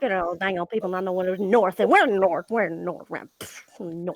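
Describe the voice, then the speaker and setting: In a put-on character voice, a female-sounding speaker drawls at a medium pitch and a moderate pace. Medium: actual play. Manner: broken grammar, third person, drawling.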